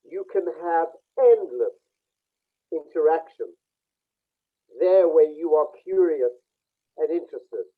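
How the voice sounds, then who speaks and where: A man with a slightly high voice talks someone through a face reading on a video call. He speaks reflectively, pausing often. The sound is thin and phone-like. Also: animated. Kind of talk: online group session. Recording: tinny phone-like call audio.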